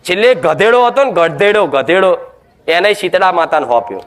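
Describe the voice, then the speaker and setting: A man's voice: sits high, lively intonation, brisk, a bit bright. A man preaching a devotional sermon at a goddess shrine, scolding his listeners and throwing rhetorical questions at them.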